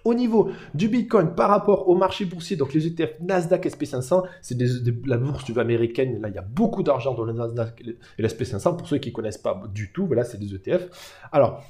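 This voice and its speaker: A young man hosting a casual market analysis, talking fast and excitably to his viewers with lots of trading slang. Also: mid-range voice. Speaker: crypto market analyst, channel host.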